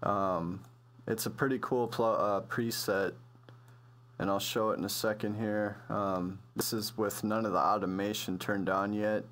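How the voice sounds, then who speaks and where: Low-voiced man giving a casual tutorial. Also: fairly even intonation, measured pace, fairly bright tone. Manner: informal, slangy, loosely improvised explaining. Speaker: music production tutorial presenter. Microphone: computer voice-over on a microphone.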